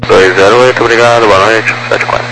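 A man's voice: on the low side, fairly even intonation, brisk, over music, rough recording. A male airline pilot talking over aviation radio, making clipped, routine calls to air traffic control.

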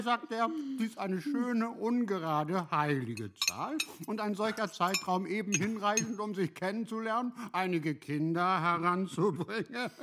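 An actor playing a witty, mischievous, worldly aristocrat telling stories with animated amusement in a German radio drama. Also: male voice, sits high.

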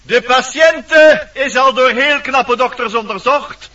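A fussy, solemn storybook dwarf with a very high voice and formal phrasing. The old radio recording is noisy, dull and distant. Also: male voice, slow pace. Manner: formal, officious. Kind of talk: radio play acting.

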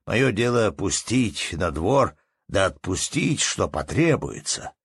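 A man voicing a hot-tempered innkeeper who scolds loudly in folksy speech. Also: lowish voice, very animated, slow pace, breathy edge, no echo, full character voice. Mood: angry.

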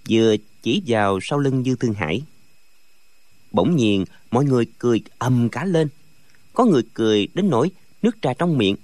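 A man narrating a martial arts novel as an audiobook, with expressive storytelling. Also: medium pitch, no room sound.

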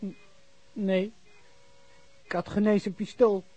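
An actor playing a frightened young male suspect in a radio drama, cowed and husky. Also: high voice, flat delivery, slow, warm tone, no echo, faint music behind, heavily acted, rough recording. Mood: tearful, desperate. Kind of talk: Dutch radio drama dialogue.

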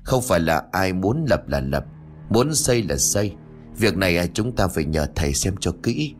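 A man voicing a cautious old father who speaks hesitantly, with sighs and pauses. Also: sits low, very animated, soft background music. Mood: resigned. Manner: hesitant, sighing.

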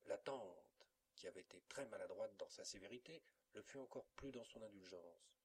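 A man reading a classic story aloud as an audiobook narrator, lively, giving voices to the characters. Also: on the low side, normal speed, a little hiss or hum. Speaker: audiobook reader. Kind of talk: scripted narration.

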